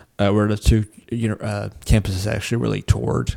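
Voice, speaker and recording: A man with an American accent talks fairly quickly at a fairly low pitch, with vocal fry. His intonation stays fairly even. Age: 20s. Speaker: podcaster and video creator. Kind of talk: solo podcast monologue. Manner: halting, many fillers.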